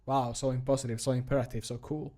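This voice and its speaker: A man in his thirties chatting casually and jokily on a livestream, in an animated, self-amused way. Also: mid-range voice, fast talker. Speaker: streamer and hobby game modder recording voice lines. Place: small home room, indoors.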